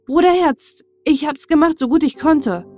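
A woman's voice: high-pitched, normal speed, darkish tone, faint music behind, voice pushed up, lightly acted. A woman voicing a cheeky, carefree male soldier in a fairy tale, breezy and protesting. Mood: pleading. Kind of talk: fairy-tale storybook character voice.

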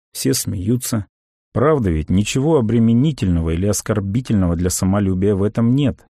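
A man narrates a memoir in a calm, measured, reflective way. His voice sits on the low side with a dark, mellow tone. The recording is dry and close, with almost no room sound. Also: husky, no room sound. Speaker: audiobook narrator.

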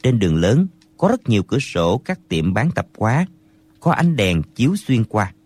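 A man narrating a martial arts novel as an audiobook in an expressive storytelling manner, close to the mic. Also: lowish voice, normal speed, slightly rough, dry recording.

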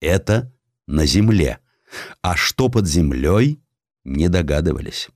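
A man with a deep voice narrates historical literature in a dramatic storytelling style. His delivery is lively and widely varied in pitch, and the recording is dry and close. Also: a little slow, no echo. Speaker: audiobook narrator.

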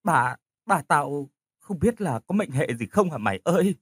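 A man's voice: a little high, expressive, normal speed, a bit bright, breathy edge, no echo, clean studio sound. A man voicing a distressed young woman who stammers and hesitates, in an audio story.

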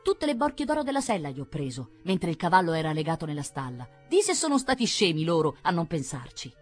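A woman reading the part of a sly, cheeky young thief who speaks in a hushed, sneering way. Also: low-pitched, big pitch swings, fast, faint music behind. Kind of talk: audiobook reading.

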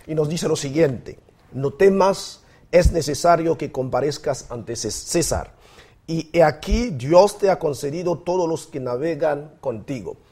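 A man's voice: on the high side, a little slow, warm tone, husky. A man hosting a Bible study discussion in a studio, welcoming listeners and guiding the conversation. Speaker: host of a Bible study program.

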